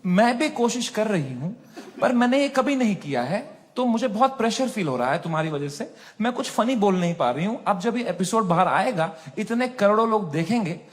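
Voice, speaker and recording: A man doing an anxious, tearful young woman. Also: sits high.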